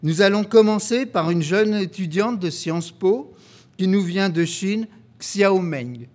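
Male preacher, high voice, earnest sermon delivery with scripture reading. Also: lively intonation, slow pace, darkish tone. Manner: earnest, reads scripture aloud steadily.

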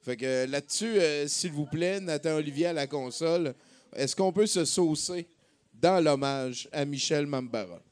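A man's voice: a little high, moderate pace. A man hosting a live radio show, announcing with energy and many filler words. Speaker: radio host.

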